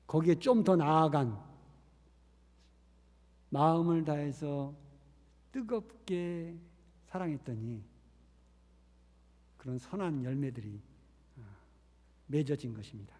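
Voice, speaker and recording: A man's voice: a little high, lively intonation, slow pace, pauses often, darkish tone. A man who is a missionary preaching a sermon, telling a story earnestly. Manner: earnest storytelling, acting out quoted voices. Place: church sanctuary. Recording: reverberant church hall.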